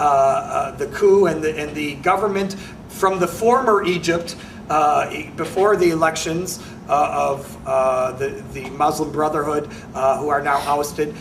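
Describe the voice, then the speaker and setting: A middle-aged male host asks long, meandering questions, pausing often on filler sounds. His voice is slightly high and a little distant from the mic. There is faint noise underneath. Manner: rambling, many "uh" fillers. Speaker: talk show host. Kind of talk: interview questions.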